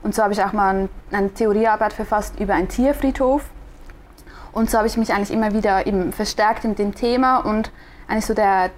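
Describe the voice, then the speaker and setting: A woman's voice: mid-range voice, fairly even intonation, fairly quick, darkish tone, a little hiss or hum. A young woman from Switzerland with a Swiss German accent, a designer answering interview questions thoughtfully, often restarting as she searches for words. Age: young adult. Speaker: guest, designer and podcaster.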